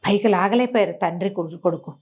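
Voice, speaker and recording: A woman's voice: medium pitch, quick pace, husky, lo-fi sound. A woman tells a folk tale conversationally, repeating phrases and slipping in small explanatory asides. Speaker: storyteller.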